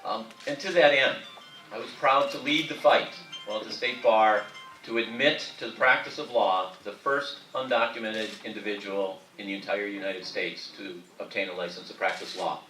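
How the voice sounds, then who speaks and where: A man's voice: on the low side, moderate pace, bright, forceful tone, soft background music. A man answering emphatically as a candidate in a political debate. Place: debate hall. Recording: echoey hall from far off.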